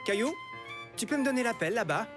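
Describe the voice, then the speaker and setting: A friendly cartoon archaeologist, enthusiastic and patient with children. His delivery swings up and down in pitch as he explains and encourages. Music runs behind him. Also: expressive, fast talker. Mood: encouraging.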